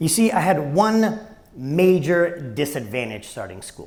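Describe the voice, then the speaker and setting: An animated, fairly high-pitched man with an American accent and very wide pitch swings, in audible room echo. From Los Angeles, US. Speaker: pediatric dentist. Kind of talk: lecture.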